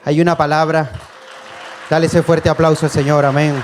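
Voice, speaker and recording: A man's voice: fairly high pitch, flat delivery, normal speed, some chatter behind, a little hiss or hum. A man preaching a sermon, earnest and personal, telling his story to the congregation, calling them brothers and chuckling now and then. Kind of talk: sermon testimony.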